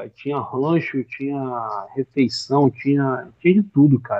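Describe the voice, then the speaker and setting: A man delivers his words very slowly, his pitch rising and falling in an ordinary way. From US Northeast, Connecticut (born in Rio de Janeiro). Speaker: military veteran, US Marine. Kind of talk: casual interview.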